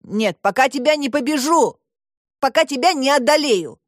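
A woman's voice: mid-range voice, normal speed, no room sound, clean studio sound. A woman doing a brash, hot-headed young boy. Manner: brash and excitable.

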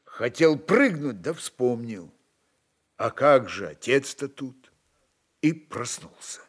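A man voicing a brooding, restless Cossack leader in a dramatic reading, terse, quiet and weighty. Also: mid-range voice, sing-song, takes it slowly, husky, exaggerated voice. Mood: musing storyteller.

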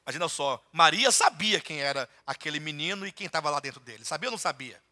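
A man with a Brazilian Portuguese accent preaching a sermon as a bishop, acting out dialogue and rising to loud, emphatic peaks. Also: fairly high pitch, animated, fast talker. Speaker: bishop preaching a Bible study. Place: church.

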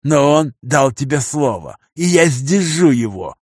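A man voicing an arrogant, cruel man of about forty in an audiobook, making slow, loud threats. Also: mid-range voice, very animated, no echo, studio quality, voice pushed up. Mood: sneering threat. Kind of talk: audiobook character reading.

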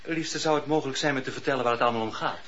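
A man's voice: mid-range voice, rapid-fire, a bit bright, natural voice. A man playing a pompous gouty old judge. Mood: condescending. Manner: smooth, patronizing, groaning in pain. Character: pompous gout-ridden male chief judge husband. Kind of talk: radio play acting. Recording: dull lo-fi radio recording.

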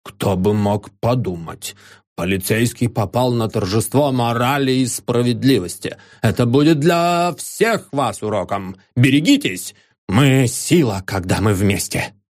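A man voicing a gruff, grey-haired old professor who lectures with indignation. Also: medium pitch, a little slow, lightly acted. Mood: scornful.

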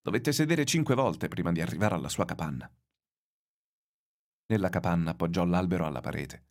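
A man reading a novel aloud in measured, expressive literary narration. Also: sits low.

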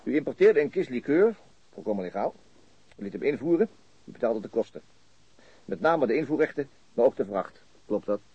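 An actor playing a calm, shrewd police detective, measured and understated, in a radio crime drama with muffled sound. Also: male voice, mid-range voice, breathy edge, no echo. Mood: probing, measured.

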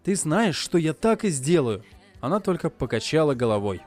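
A young man narrating an audiobook in first person, voicing his own lines in expressive dialogue. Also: on the high side, normal speed, soft background music. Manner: expressive, moving from quiet narration to heated outbursts.

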